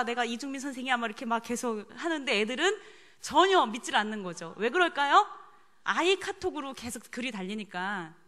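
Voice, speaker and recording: A woman's voice: a little high, sharp tone. A middle-aged woman preaching a sermon. She tells a personal story and asks the congregation questions.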